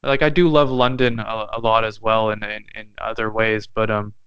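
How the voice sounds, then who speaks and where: A young man from Canada whose first language is French, a musician guest speaking thoughtfully with many pauses and fillers. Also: lowish voice, little pitch movement, fairly bright tone, smooth, no echo, lo-fi sound. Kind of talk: casual interview chat.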